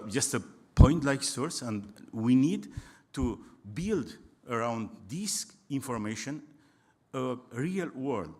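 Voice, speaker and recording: A man with a Romanian accent, a native Romanian speaker, giving a public astronomy lecture in English, pausing often and restarting as he searches for words. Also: mid-range voice.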